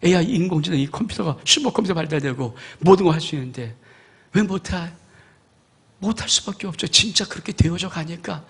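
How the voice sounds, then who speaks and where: A male pastor delivering an impassioned sermon, swinging from loud outbursts to hushed, near-whispered lines. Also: a little high, animated, a little fast, slightly rough. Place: church sanctuary.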